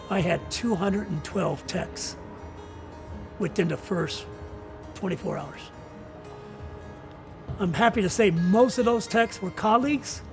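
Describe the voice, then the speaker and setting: An older man, a retiring coach, giving earnest, reflective interview answers in a deliberate way with pauses. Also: high voice, gravelly. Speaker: retiring college soccer coach.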